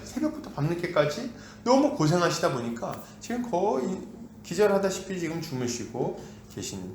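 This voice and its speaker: A man preaching in a church with a high, very lively voice that swings widely in pitch. He acts out voices as he tells the story. The sound is echoey, with faint noise behind it. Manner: animated, acts out voices of disciples and Jesus. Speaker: pastor. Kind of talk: sermon. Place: church sanctuary.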